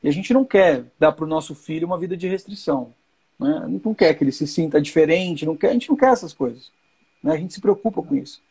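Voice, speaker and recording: Husky high-voiced man explaining warmly. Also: expressive, fast. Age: 40s. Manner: reassuring, explanatory, repeats key points. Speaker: host. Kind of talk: casual live chat.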